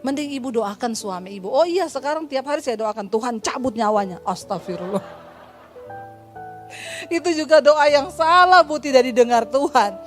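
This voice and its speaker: Woman pastor, Indonesian accent, high voice, animated sermon storytelling, faint music underneath. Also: fairly quick, hardly any pauses. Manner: lively storytelling, acts out dialogue, humorous asides.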